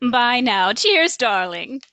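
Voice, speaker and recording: A woman's voice: on the high side, pushed and bright, heavily acted. A woman playing an aloof, coy 1960s Broadway star with an affected, languid manner in an audio drama.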